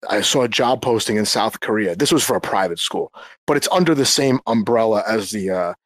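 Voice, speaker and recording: A man from New York, a guest in a casual group chat, talking in a halting way as he searches for words and restarts often. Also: lowish voice, animated, no room sound. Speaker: guest, former English teacher.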